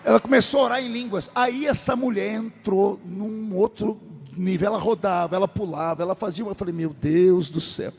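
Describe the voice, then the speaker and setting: A male pastor telling a comic personal story in a sermon, animated and lively, in a large church hall. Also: high voice, brisk, creaky, few pauses, husky, soft background music. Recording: long hall reverb.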